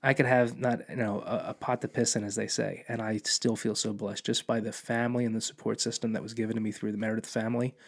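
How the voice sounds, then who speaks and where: A man's voice: lowish voice, little pitch movement, fast, vocal fry, hardly any pauses. A man, a police officer and podcast guest, telling a long personal story in casual conversation, rambling with many restarts and acting out quoted dialogue.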